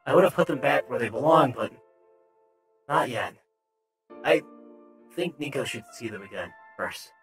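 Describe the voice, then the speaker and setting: A hesitant computer entity speaks in a glitchy voice, its pitch jumping and stuttering, put on by a man. It sounds gentle and a little lost, with its phrases breaking off. There is faint music behind it. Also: lively intonation, normal speed, long pauses. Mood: wistful. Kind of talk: voicing a character in a game playthrough.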